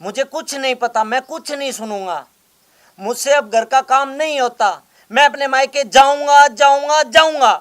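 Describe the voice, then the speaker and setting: A man's voice: very high-pitched, moderate pace, a bit bright. A man playing a henpecked young house-husband in a comedy skit, complaining and pleading to get away. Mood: sulky. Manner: whining, pleading.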